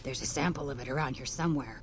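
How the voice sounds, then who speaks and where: A woman voicing a weary female ghoul scientist in a video game, matter-of-fact and brisk. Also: extremely low pitch, a crowd in the background. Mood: dry.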